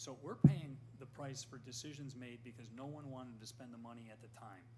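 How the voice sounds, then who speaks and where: The voice is dark, mellow and somewhat breathy, moving at a fairly quick pace with big swings in loudness amid audible room echo. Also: man, medium pitch for a man, fairly even intonation. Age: 60s. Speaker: public works official. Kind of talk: town meeting discussion.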